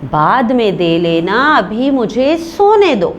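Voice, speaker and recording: A woman's voice: fairly high pitch, big pitch swings, takes it slowly, muffled recording, slight background noise. A woman voicing a sick, grumpy husband who is trying to rest, reading a play aloud for a class. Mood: weary. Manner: irritated, weary.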